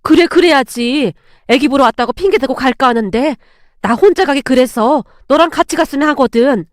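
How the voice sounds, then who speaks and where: A woman's voice: high-pitched, moderate pace, no room sound, studio quality, lightly acted. A woman voicing an angry, hypocritical older mother-in-law who scolds shrilly. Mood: scheming.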